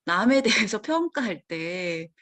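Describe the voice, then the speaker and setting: A woman co-hosting a psychology talk show, speaking in a thoughtful, gently reflective way. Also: mid-range voice, very animated, unhurried. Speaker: podcast co-host. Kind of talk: casual explanatory chat.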